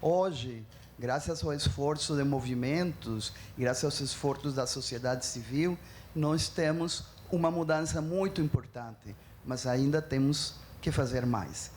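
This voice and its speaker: A woman's voice: very deep voice, unhurried, darkish tone, a little hiss or hum. A woman with a Mexican accent speaking as a panelist, earnest and emphatic, with frequent fillers and restarts. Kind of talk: panel talk.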